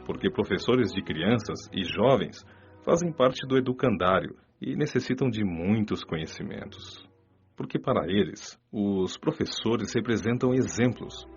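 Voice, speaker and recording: An actor with a Brazilian accent playing a kindly, wise male spirit mentor, explaining things in a measured, didactic way for a radio drama. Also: lowish voice. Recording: lo-fi band-limited audio, music behind. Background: music.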